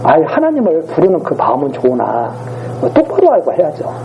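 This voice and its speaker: A man's voice: fairly high pitch, wildly swooping pitch, brisk, slight background noise. A man pastor giving a sermon, reading scripture verses aloud and then retelling them in blunt, everyday speech. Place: church. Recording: dull lo-fi church recording.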